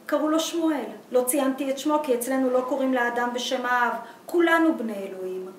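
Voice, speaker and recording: A woman's voice: sits high, natural voice. A woman voicing a small, weary, fervent wandering preacher in a novel reading, insistent, in an echoey room. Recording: echoey room, distant mic, background noise.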